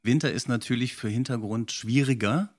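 Husky man hosting a podcast. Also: medium pitch, a little fast. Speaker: podcast host. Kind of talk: casual, enthusiastic discussion.

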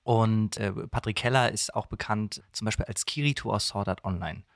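Low-voiced male podcast guest. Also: normal speed, vocal fry, no echo. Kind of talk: casual interview chat.

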